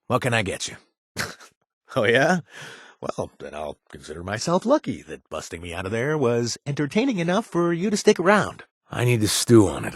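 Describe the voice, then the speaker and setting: Game ally: a wisecracking young ex-raider barkeep, husky low voice, lively swings, dry booth sound. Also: male voice, no echo, full character voice. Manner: chatty, joking, self-deprecating. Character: wisecracking male ex-raider turned bartender. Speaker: companion character. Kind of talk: video game voice lines.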